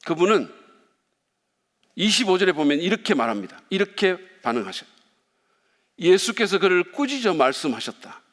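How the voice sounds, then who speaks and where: Man preaching, bright high voice, animated swings, long church-hall reverb. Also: normal speed, pauses often. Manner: lively, playful, speaks directly to the congregation. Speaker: pastor. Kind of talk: sermon. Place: church sanctuary.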